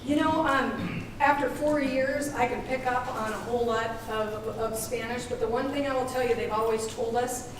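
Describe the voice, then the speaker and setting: Chatty woman giving a school tour, kinda high voice, echoey room, far from the mic, noisy. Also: fairly even intonation, normal speed, few pauses. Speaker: school principal leading a tour. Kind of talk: casual tour talk. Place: school hallways and classrooms. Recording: echoey school rooms from a distance with noise.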